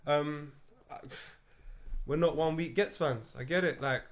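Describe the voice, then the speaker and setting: A man's voice: on the high side, measured pace. A man co-hosting a podcast, telling stories and teasing in casual chat. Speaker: podcast co-host.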